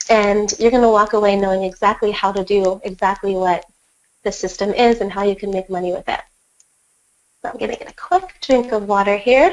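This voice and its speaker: Enthusiastic in tone, a woman with a medium pitch speaks at a fairly quick pace, with big swings in loudness. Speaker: online business coach. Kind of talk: live webinar presentation. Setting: live webinar with chat. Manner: fast.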